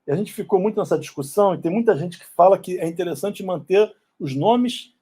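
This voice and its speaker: In a synagogue auditorium, a middle-aged man from Brazil lectures informally, his voice pitched high, mellow and husky, with an animated, brisk delivery. Tag questions keep popping up as he checks in with the room.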